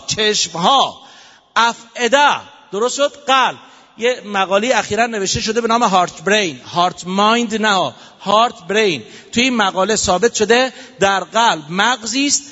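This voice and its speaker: A man preaches animatedly and playfully to a live audience and keeps prompting them to applaud. His voice is very high and bright. It carries a long hall reverb on dull, muffled audio. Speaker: religious speaker. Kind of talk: lively sermon to a live audience.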